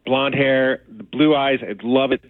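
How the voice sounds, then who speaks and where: A man's voice: medium pitch, fairly even intonation, no echo. Hesitant man on a phone line. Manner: hesitant, halting, awkward laughs. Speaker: caller. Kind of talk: phone conversation with radio hosts.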